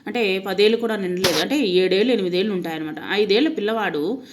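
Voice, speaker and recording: A woman's voice: medium pitch, fast talker. A woman teacher narrating a story lesson, with explaining asides for her pupils.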